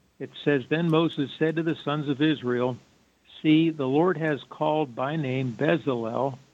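At a fairly slow pace, a man with a normal speaking voice talks in a fairly high pitch and fairly even intonation. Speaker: caller. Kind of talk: Bible reading and discussion. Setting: phone call.

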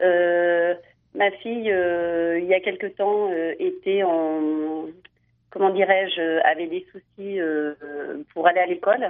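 Very slowly and with long, frequent pauses, a woman speaks in a monotone, flat intonation at a medium pitch. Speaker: caller, mother. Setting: phone call.

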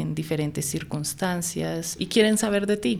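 A woman with a Bogotá accent speaks at a fairly low pitch. Noticeable background noise runs behind her. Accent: Bogotá Colombian Spanish. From Colombia, Bogotá. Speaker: Spanish teacher. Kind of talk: casual chat; lesson explanation.

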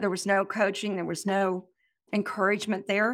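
A woman with an American accent talks at a medium pitch. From Oklahoma, US. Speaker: talent booker and professional speaker. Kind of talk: interview. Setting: video call. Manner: animated.

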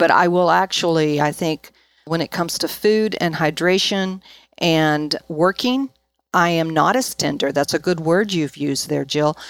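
On a very clean recording with a silent background and a dry, close sound with no echo, a woman with a plain, everyday voice speaks at a moderate pace, her pitch fairly low with ordinary variation. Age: 60s. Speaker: counselor and minister. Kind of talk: interview.

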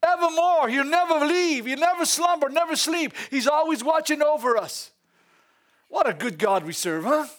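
This man's voice sits extremely high in pitch. His tone is animated, with ordinary pitch variation. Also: moderate pace. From Louisiana. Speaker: pastor. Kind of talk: sermon. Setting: church. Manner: animated, preacherly, call-and-response; repetitive, emphatic, urgent.

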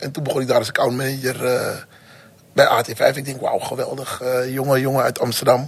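There is noticeable background noise. A man talks at a fairly quick pace over it. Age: 40s. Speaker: entrepreneur, coworking space co-founder. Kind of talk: panel conversation before live audience.

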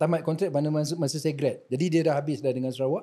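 Somewhat breathy and dark, mellow in tone, a man speaks at a very fast pace. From Malaysia, Hulu Selangor. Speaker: actor. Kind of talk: casual chat.

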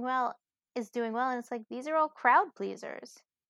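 A woman with a Brooklyn accent speaks at a high pitch. The recording is very clean with a silent background and a dry, close sound with no echo. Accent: New York (Brooklyn). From Brooklyn, New York. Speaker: theater fan. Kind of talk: casual chat.

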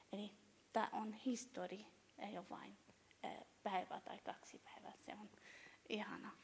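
A whispering voice moves at a fairly slow pace with long, frequent pauses and big swings in loudness. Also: woman. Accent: Arabic. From Syria. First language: Arabic (speaking Finnish). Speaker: accounting student. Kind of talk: panel conversation. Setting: chapel with audience. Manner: halting.

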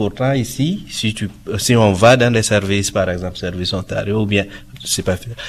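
There is noticeable background noise. A man with a fairly low pitch talks at a moderate pace with fairly even intonation. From Niger. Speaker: community center staff. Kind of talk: formal debate. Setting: live radio broadcast before an audience.

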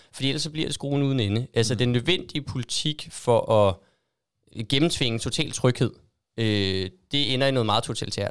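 This is a man with a plain, everyday voice at medium pitch. His pitch varies an ordinary amount, and the recording is very clean with a silent background. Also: moderate pace. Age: 20s. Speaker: liberal debater and writer. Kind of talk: interview conversation. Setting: studio.

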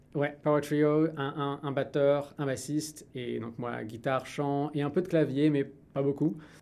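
A man's dark, mellow, fairly high voice, monotone and flat in intonation, at a fairly slow pace. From France. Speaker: musician. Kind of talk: radio interview. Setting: radio studio.

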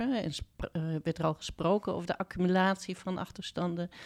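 A woman's normal speaking voice, fairly low in pitch, with fairly even intonation and a moderate pace, on a very clean recording with a silent background. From Germany (Cologne, Düsseldorf). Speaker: professor. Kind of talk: interview discussion.

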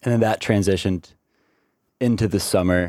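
A man with an American accent on a very clean recording, silent background. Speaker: college student. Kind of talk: interview.

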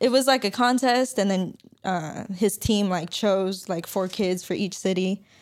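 Recorded very cleanly against a silent background, a woman with a General American accent speaks in a plain, everyday voice, medium in pitch, at a fairly slow pace with ordinary pitch variation. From Las Vegas, Nevada. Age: 20s. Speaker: dancer. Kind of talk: interview. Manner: laughs often.

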